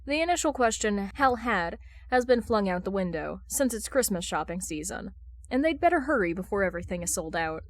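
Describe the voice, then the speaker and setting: A woman's voice: mid-range voice, expressive, a little fast, dry recording. A woman reading scripted fan fiction narration as an audiobook narrator.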